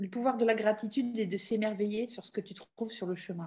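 A woman with a fairly high pitch and a dark, mellow, somewhat breathy tone speaks at a moderate pace. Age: 50s. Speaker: intuitive card reader and wellness practitioner. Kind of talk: casual interview chat.

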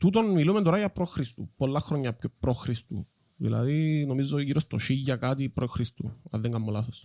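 A man with a Cypriot accent speaks at a moderate pace with hardly any pauses, using a medium pitch, lively intonation and a dark, mellow tone, in a dry, close sound with no echo. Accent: Cypriot Greek. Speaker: podcast co-host. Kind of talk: casual discussion, historical overview.

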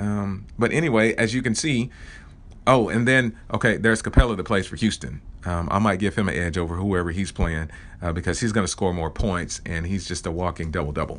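A man with an American accent speaks in a plain, everyday voice, his pitch fairly low with ordinary pitch variation. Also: fairly quick pace. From Oklahoma. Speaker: podcaster. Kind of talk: casual solo monologue. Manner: casual, filler-heavy.

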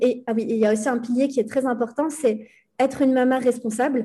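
On a very clean recording with a silent background, a woman speaks at a high pitch with a dark, mellow tone and fairly even intonation. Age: 20s. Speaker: startup founder. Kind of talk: interview.

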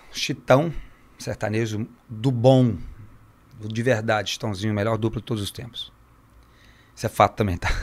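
Long, frequent pauses break up a man's speech at a moderate pace. His pitch is medium and his intonation fairly even. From Brazil, interior of Minas Gerais. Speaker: football coach, former player. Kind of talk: casual chat.

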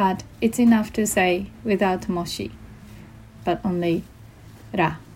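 Her voice somewhat breathy, a woman speaks with fairly even intonation. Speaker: Japanese teacher podcaster. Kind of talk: language lesson podcast. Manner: slow, clear for learners.

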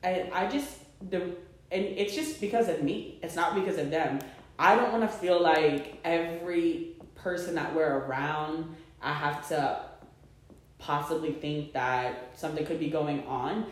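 At a fairly slow pace, a man with a high pitch and ordinary pitch variation speaks amid noticeable background noise and audible room echo. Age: 20s. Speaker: podcast co-host. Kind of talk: casual chat.

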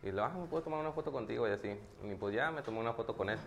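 Lively intonation runs through the speech, heard over noticeable background noise. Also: man. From Mexico, Torreón, Coahuila. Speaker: content creator. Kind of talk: interview. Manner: halting.

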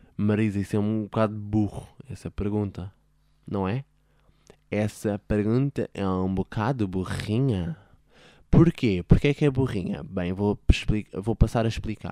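Dark and mellow in tone, a man speaks with a fairly low pitch and ordinary pitch variation at a fairly slow pace. Long, frequent pauses stand out in the dry, close sound with no echo. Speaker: podcast host. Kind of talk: casual solo monologue.

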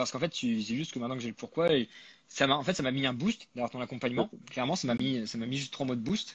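His speech comes at a very fast pace. The man has a medium pitch and ordinary pitch variation. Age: 20s. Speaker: mindset coach. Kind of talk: live-stream interview. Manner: halting.

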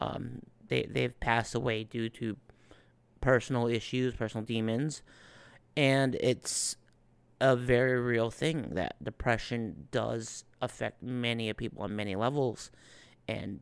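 At a fairly slow pace, a man of medium pitch talks with fairly even intonation on a very clean recording with a silent background. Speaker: co-host. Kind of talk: casual chat. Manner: rambling, talks at length.

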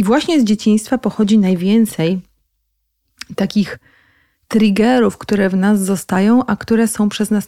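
Woman's voice with a dark, mellow tone and very even loudness. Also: dry, close sound with no echo, very clean recording, silent background. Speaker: psychologist and podcast host. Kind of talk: solo educational talk.

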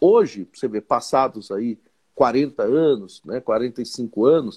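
Dry, close sound with no echo around a medium-pitched male voice. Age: 50s. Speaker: teacher and philosopher. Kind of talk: interview on live broadcast. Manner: talkative.

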